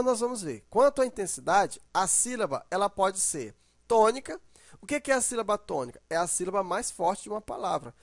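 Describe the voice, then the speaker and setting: A man's voice: high voice, dry recording. Guy teaching a grammar lesson, patient, stretches words out to show stress, keeps checking in, dry close sound. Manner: patient and explanatory, asks "né?" and "ok?" often; draws out example words to show the stressed syllable.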